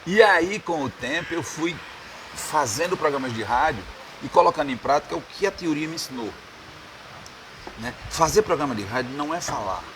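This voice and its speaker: A man's voice: a little high, lively intonation, moderate pace, fairly bright tone, a little hiss or hum. A man, a radio producer, telling stories in a casual bar-table interview, laughing often and tagging lines with a questioning "right?". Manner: chatty storyteller, laughs often, repeats "né?". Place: bar, indoors.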